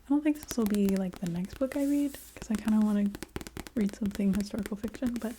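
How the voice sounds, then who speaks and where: A woman chatting casually in a soft ASMR voice that often drops into a whisper. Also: medium pitch, fast, background noise. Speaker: ASMR video creator. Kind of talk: soft-spoken ASMR, casual rambling chat.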